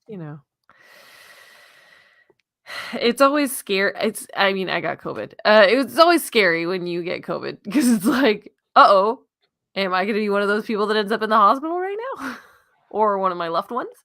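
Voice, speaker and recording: Relaxed woman chatting, dry close sound. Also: medium pitch, normal speed, no room sound. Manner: relaxed, laughing lightly, quieter asides. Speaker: podcast co-host. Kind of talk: casual chat.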